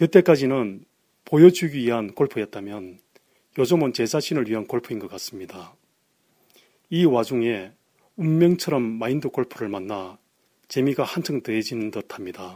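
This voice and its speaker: A man with a medium pitch speaks at a moderate pace with lively intonation and a dark, mellow tone. His loudness swings widely, long pauses come often, and the recording is very clean with a silent background. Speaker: podcast listener, expat employee. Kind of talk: recorded listener intro message.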